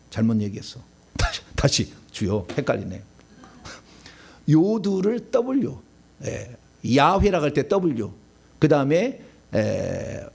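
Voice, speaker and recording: Middle-aged male pastor, lively sing-song delivery, asks the room questions. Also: a little high. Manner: animated teaching, asks the audience questions, laughs at own slips. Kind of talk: sermon lecture.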